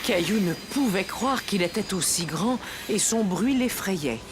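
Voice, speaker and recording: A woman playing a gentle storyteller, narrating a children's cartoon in a storybook manner. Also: medium pitch, expressive, unhurried, over music, lightly acted.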